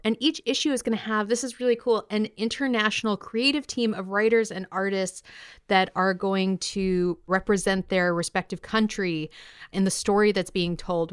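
A woman's voice: mid-range voice, clean tone, dry recording, clean studio sound. A woman co-hosting a podcast, presenting upbeat comic-book news in an enthusiastic, playful, slangy way. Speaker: podcast co-host.

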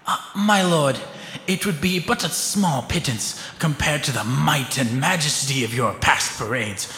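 A fawning old fairy servant, played by a man, flatters his lord with oily formality. His highish voice is bright and very echoey, in a fantasy audio drama. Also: a little slow, slight background noise. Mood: obsequious. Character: fawning servile old fairy minion, scheming. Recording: echoing hall, long reverb.

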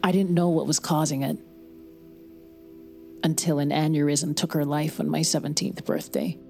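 A somber, grieving young wife. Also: female voice, deep voice, gravelly. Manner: quiet, somber, reflective. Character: grieving young married woman, guarded. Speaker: narrator and lead character. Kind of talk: audio drama narration.

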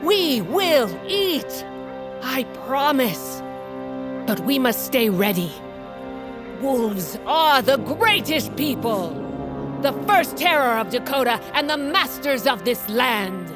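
An imperious high-voiced tribal warrior queen. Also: big pitch swings, slow pace, music in the background, full character voice. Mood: rousing oration. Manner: imperious, declamatory, formal speech. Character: stern, commanding tribal wolf-clan queen, a mother. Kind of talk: fantasy audio drama acting.

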